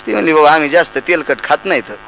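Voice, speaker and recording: Speaking very fast in a slightly high, creaky voice, a kirtan preacher entertains a live audience at a devotional gathering on a rough recording. His sermon is full of humorous stories, and he animatedly imitates the voices of the people he describes.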